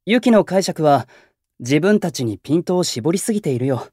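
Calm, gentle young idol peacemaker. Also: male voice, a little high, normal speed, husky, no room sound, studio quality. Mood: composed, reasoning. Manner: soft-spoken, composed, polite and reflective. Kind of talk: Japanese anime-style voice drama acting.

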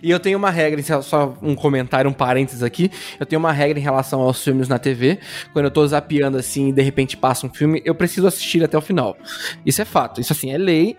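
A man's voice: on the high side, fast, soft background music. A man in casual podcast chat, talking emphatically as a fan about films. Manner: emphatic, rule-stating fan talk.

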